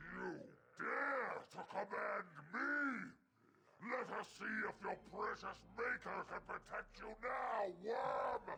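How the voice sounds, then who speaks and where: A man puts on a character voice pitched high. He delivers it at a very slow pace. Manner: angry, menacing.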